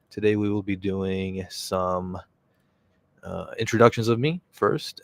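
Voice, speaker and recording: A man's voice: low voice, smooth, no echo. Rambling young man. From Czech Republic. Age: around 20. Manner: rambling, with many fillers and self-corrections. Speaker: YouTuber hosting a live stream. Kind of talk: casual live stream talk.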